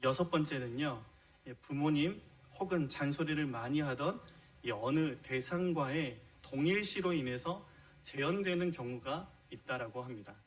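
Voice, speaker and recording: A man's voice: fairly high pitch, animated, moderate pace, rough recording. A middle-aged man preaching a sermon in a church, explaining his points earnestly and posing rhetorical questions to the congregation. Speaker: pastor. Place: church sanctuary.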